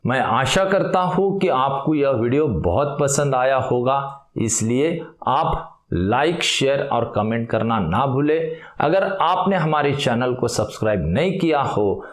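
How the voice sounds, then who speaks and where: Guy teaching grammar, slow and bouncy, kinda echoey room, asks then answers himself. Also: mid-range voice. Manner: stretches example words slowly, asks and answers own questions. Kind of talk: explanatory lesson with questions to viewers.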